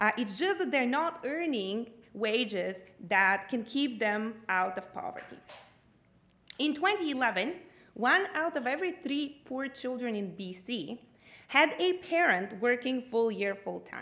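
A bright, sharp tone with very wide pitch swings, at a fairly slow pace, in a Bulgarian accent. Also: woman, high pitch for a woman. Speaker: economist. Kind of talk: public talk. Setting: stage with audience. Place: hall. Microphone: podium.

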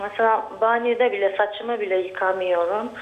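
A fairly high-pitched woman's voice at a very slow pace. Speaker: audience member asking a question. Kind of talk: question to a religious scholar.

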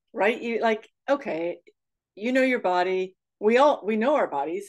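Her pitch fairly high and her intonation lively, a woman talks at a moderate pace. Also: quiet background. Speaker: fitness podcast host. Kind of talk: podcast interview host. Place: home room.

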